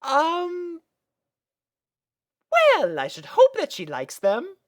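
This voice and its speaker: A woman's voice: extremely high pitch, huge pitch swings, extremely slow, exaggerated voice. A woman voicing a refined, affectionate elder sister pony in a fan fiction audio drama, genteel and coaxing. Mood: gentle, puzzled.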